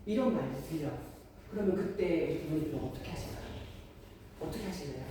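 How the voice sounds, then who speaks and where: A woman leads a parenting lecture, acting out parents and children with lively swings in her voice. Her tone is mellow, and she sounds set back from the mic in a large, echoing room. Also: fast talker, far from the mic, a little hiss or hum. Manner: animated, acts out parent and child lines in a higher voice. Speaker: daycare parent-education lecturer.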